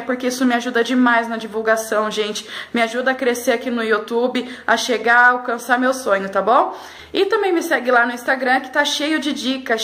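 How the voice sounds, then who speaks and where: A woman's voice: a little high, a bit bright, no room sound. A young woman from Brazil chatting enthusiastically to viewers while showing products in a shop. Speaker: shopping vlogger. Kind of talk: casual vlog, showing products. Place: indoors at a busy market shop. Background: crowd chatter.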